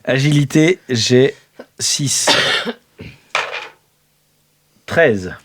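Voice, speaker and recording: A man with a mid-pitched voice and very animated intonation. He banters casually as a player in an improvised role-playing game. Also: very slow.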